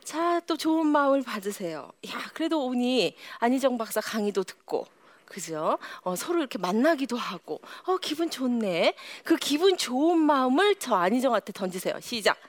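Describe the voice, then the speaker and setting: A woman giving a lively psychology lecture to a live audience, sometimes dropping to a whisper. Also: on the high side, moderate pace, no room sound. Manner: animated, often drops to a whisper.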